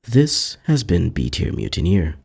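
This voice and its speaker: A man hosting his own gaming channel, reading a scripted video essay in a calm, measured, explanatory way. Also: low voice, creaky, breathy edge.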